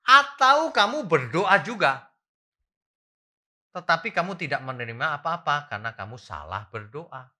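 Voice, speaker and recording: Middle-aged pastor guy preaching, super bright voice, jumps all over pitch-wise, quiet asides then loud bursts. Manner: animated, swings from quiet asides to loud exclamations; asks the congregation questions. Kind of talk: sermon.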